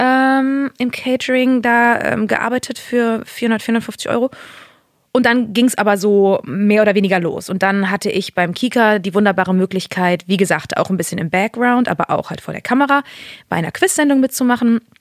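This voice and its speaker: Recorded dry and close with no echo, a woman speaks at a fairly high pitch with a slight Rhineland accent. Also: ordinary pitch variation, moderate pace. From Bonn, Germany. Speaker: voice actor and TV actor. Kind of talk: casual chat.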